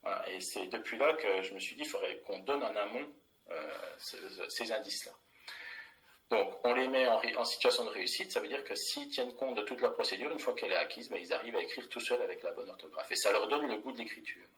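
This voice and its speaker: A man's voice: lowish voice, quick pace, a bit bright, rough recording. A middle-aged man, a primary school teacher, explaining a classroom method in a plain, methodical way with many fillers and restarts.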